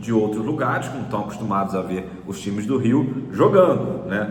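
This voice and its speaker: A man speaks at medium pitch with ordinary pitch variation. Noticeable background noise and audible room echo surround him. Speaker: football channel presenter. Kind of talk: casual football commentary vlog. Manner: low energy.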